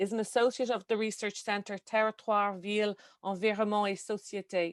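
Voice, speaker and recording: A woman with an Irish accent talks fairly quickly at a medium pitch. The recording is very clean and dry, close with no echo, over a silent background. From Ireland. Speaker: webinar moderator. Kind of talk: panel moderation.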